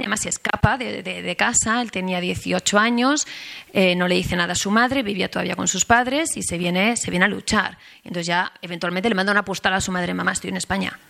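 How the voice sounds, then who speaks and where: A middle-aged woman from Spain talks casually at a panel, telling a personal story with lots of fillers and self-corrections. Her voice has a gravelly, creaky edge at mid pitch. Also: a bit bright. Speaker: historian, panel speaker. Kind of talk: conversational panel talk.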